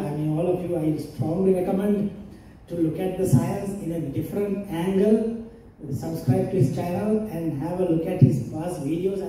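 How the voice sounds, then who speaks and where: A man talks in a high voice at a moderate pace with ordinary pitch variation. Strong room echo and light background noise fill the recording. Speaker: speaker. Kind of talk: lecture. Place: hall. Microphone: camera far.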